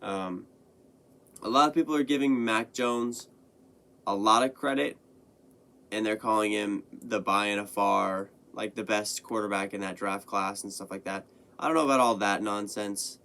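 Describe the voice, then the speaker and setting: A young man hosting his own sports podcast, talking casually and rambling with lots of fillers and restarts, his voice a little hoarse after being sick. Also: on the low side, steady tone, moderate pace, pushed and bright. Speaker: podcast host. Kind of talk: casual sports commentary monologue.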